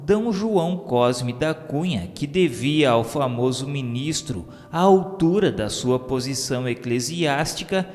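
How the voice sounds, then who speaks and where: A man's voice: medium pitch, expressive, measured pace, few pauses, a little mellow. A man with a Brazilian accent reads a scripted religious radio novela as narrator, in a solemn, formal manner. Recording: long hall reverb under music. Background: music.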